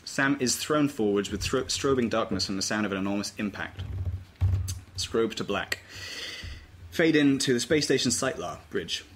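A man's voice: lowish voice, animated, normal speed, a bit bright. A man narrating scripted stage directions aloud at an informal table read. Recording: noisy amateur room recording, clicks.

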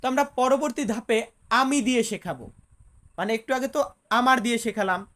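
A woman, teaching a language lesson online. She patiently repeats each phrase slowly so it can be drilled. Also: on the high side, a bit bright.

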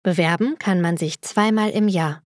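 A woman reading a scripted promotional narration in an even presenter manner. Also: lowish voice, moderate pace, no echo, studio quality. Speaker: foundation narrator. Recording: music bed underneath.

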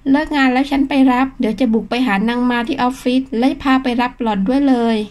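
A man's voice: very high-pitched, fairly even intonation, fast talker. A woman voicing a flamboyant, pushy man who coaxes a younger friend to go out, in an audiobook. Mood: coaxing. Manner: bossy, playful coaxing.

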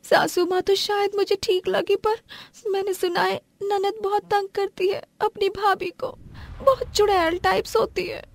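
A woman voicing an anxious, timid young bride in an animated family drama, with an Indian accent. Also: very high-pitched, measured pace, creaky, full character voice. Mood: plaintive. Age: young adult.

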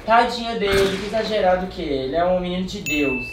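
A man's voice: high voice, lively intonation, brisk, echoey room, music in the background, rough recording. A young man joking and mocking his friends as the judge of a game. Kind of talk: casual chat.

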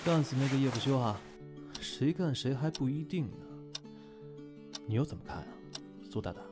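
A man's voice: medium pitch, animated, moderate pace, natural voice. A man playing a laid-back, teasing young man in an audio drama, drawling and playfully sardonic. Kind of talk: fan audio drama acting. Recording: music behind the voice.

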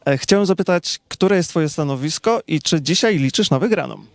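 A man's voice: fairly high pitch, animated, normal speed, vocal fry, no echo. A young man, asking interview questions outdoors as a TV reporter with a handheld microphone. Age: 20s. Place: outdoors in a garden with trees.

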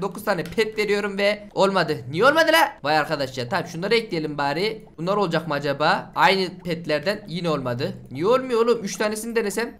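Male gameplay commentator, quick, exasperated, excitable, talks straight to viewers. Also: high voice. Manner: excitable, exasperated, swings between groans and shouts; addresses viewers directly. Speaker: gaming channel host.

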